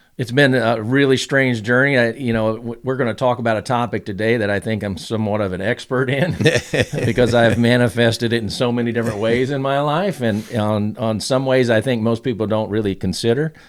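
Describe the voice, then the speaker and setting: Over noticeable background noise, a man with a medium pitch talks at a fairly quick pace with fairly even intonation. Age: 60s. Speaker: podcast guest, recovered alcoholic and stepfather. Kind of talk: casual chat.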